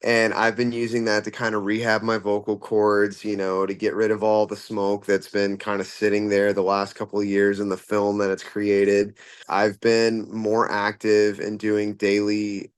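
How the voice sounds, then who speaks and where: A man's voice: lowish voice, completely flat delivery, normal speed, clear, resonant tone, no room sound. A man who fronts a rock band, answering interview questions casually and rambling with plenty of fillers and restarts.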